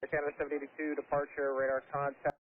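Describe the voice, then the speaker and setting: A thin, phone-like radio channel carries a male air traffic controller. His procedural reply is slow and flat in tone. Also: fairly high pitch. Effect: aircraft radio.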